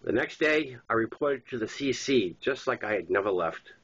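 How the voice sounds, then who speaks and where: Male author-narrator, Boston accent, nasal congestion from a cold, informal storytelling read, dull low-fidelity sound. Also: animated, moderate pace, a bit bright, breathy edge. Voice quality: congested, stuffy nose. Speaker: author reading his own novel. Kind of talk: narrated memoir-style audiobook reading. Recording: dull lo-fi recording.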